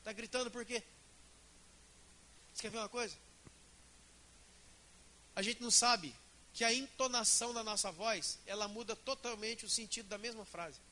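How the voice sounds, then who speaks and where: A man's voice: high-pitched, steady tone, moderate pace, pauses often, sharp tone, a little hiss or hum. A man preaching a sermon as pastor in a church, emphatic and asking the congregation questions.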